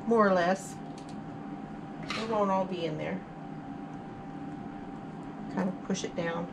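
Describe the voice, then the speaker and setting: A woman's voice: mid-range voice, takes it slowly, gravelly, heavy background noise. A middle-aged woman hosting her cooking channel, chatting through each step as she cooks in her home kitchen. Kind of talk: casual cook-along narration.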